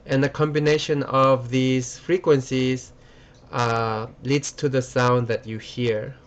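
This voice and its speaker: A man giving a recorded lecture, halting and full of fillers and restarts. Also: medium pitch, flat delivery.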